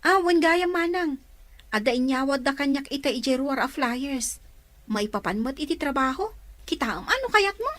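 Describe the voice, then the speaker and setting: A woman's voice: high-pitched, lively intonation, moderate pace, a bit bright. A woman playing a needy younger woman in a radio drama, plaintive and informal. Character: needy younger woman, anxious about household money.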